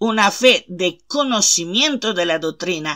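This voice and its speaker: The voice has a bright, sharp tone and lively intonation. It moves at a very slow pace. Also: woman. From Italy. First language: Italian (speaking Spanish). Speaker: religious channel host. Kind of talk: religious talk. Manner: hesitant, with fillers.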